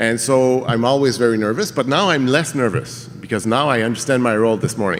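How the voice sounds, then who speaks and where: Amid noticeable background noise and audible room echo, a man with a Quebec accent and medium pitch talks at a moderate pace with ordinary pitch variation. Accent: French Canadian accent in English. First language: French. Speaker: language rights commissioner, keynote speaker. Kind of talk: keynote speech. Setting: conference stage with audience. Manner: halting, many fillers.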